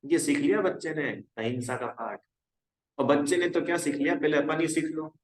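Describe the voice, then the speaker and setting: A man's voice: a little high, normal speed. Man teaching a class in an echoey room. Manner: conversational and exhorting, asks the class checking questions. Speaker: religion teacher. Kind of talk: casual spoken lesson to a youth class.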